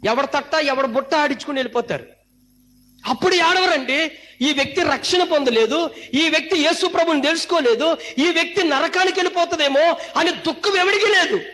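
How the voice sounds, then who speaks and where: A man's voice: extremely high pitch, sharp tone. A man pastor preaching a sermon in a fiery, scolding manner, acting out the voices he quotes.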